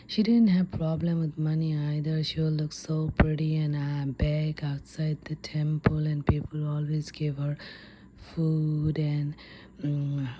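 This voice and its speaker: Slow, whispering woman telling an ASMR story. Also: deep voice, flat delivery, dull audio, a little hiss or hum. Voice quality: breathy, unvoiced whisper. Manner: hushed, halting delivery with frequent pauses.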